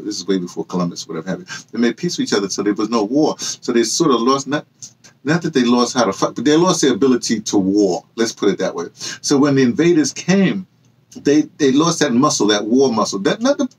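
A medium-pitched yet husky man in his sixties gives a casual, rambling monologue to camera, wandering off on asides and correcting himself mid-story. He hosts a personal memoir channel, works as an audio dramatist, and sits in a small room with bookshelves and hung clothes. The recording is low quality.

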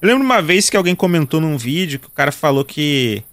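Pitched on the high side, his voice is very animated, brisk and fairly bright, with no echo. He's a Rio de Janeiro man in his thirties with a Carioca accent who hosts gaming videos, joking in slang and addressing viewers as he plays.

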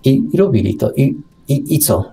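A man's voice: mid-range voice, sing-song, normal speed, creaky, dark tone, soft background music. A man co-hosting a talk show, giving an opinionated, sarcastic monologue with emphatic rhetorical questions and repeated words. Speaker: radio show co-host and commentator.

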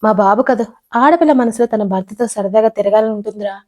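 A woman's voice: medium pitch, fast talker, a little mellow, natural voice. A woman voicing a shrewd old grandmother who coaxes her grandson in a storybook audio tale. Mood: coaxing. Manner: coaxing, affectionate.

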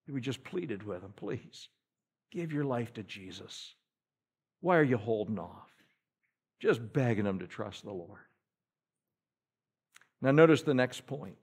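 A man preaching a sermon as pastor, asking his congregation rhetorical questions and reading old-style scripture aloud, his loudness swinging from near-whispers to near-shouts. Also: medium pitch. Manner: reads scripture aloud in King James wording. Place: church sanctuary.

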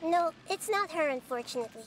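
A woman's voice: very high-pitched, animated, fast talker, slight background noise, poor audio. A woman voicing a small, earnest and composed girl deity in a scripted video game. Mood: calm, matter-of-fact.

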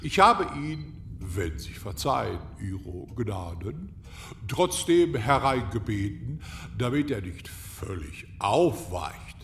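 Man playing a slow, fussy castle butler. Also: medium pitch, big pitch swings, fairly bright tone, echoey room, a little hiss or hum, full character voice. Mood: deferential. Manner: formal, deliberate, polite. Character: deferential, fussy, slightly dim castle butler. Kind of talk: German audio drama acting.

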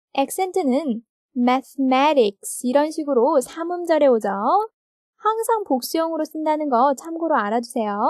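A woman with a Korean accent teaching English grammar in a recorded video lecture, reading example sentences carefully and ending her explanations with gentle rising questions. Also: high-pitched, no echo, clean studio sound.

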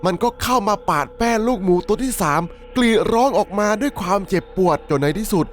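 A man's voice: sits high, lively intonation, fairly quick, faint music behind. A man narrating a dramatic horror story recap, conversationally and politely addressing his listeners as he goes. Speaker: storyteller, channel host.

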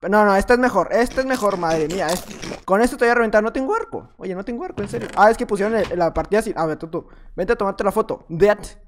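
A man narrates his own gaming session in a loose, chatty way. He jokes around, trails off now and then and taunts his rivals. His tone stays relaxed and unscripted. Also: sits high, fast talker, a little hiss or hum. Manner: playful, rambling, teasing opponents. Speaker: gaming video creator. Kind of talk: casual gameplay commentary.

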